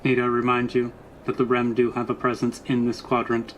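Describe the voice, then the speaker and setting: A man voicing a loyal, literal-minded robot bodyguard in a tabletop roleplay, speaking in stilted, halting, formal phrases. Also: mid-range voice, completely flat delivery, a little hiss or hum, natural voice, rough recording. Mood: measured, stilted.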